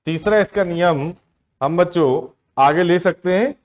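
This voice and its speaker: A man with a slightly high voice teaches a grammar lesson for exam prep. He keeps putting a question to his students and answering it himself, stretching out the key words as he goes. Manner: asks the class questions and answers them himself, drawn-out words.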